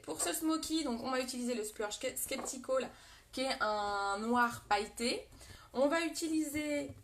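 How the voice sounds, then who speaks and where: A woman's voice: a little high, a bit bright. A French woman hosting a casual live makeup demo, chatting with viewers as she talks through products. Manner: chatty, greets viewers, frequent fillers.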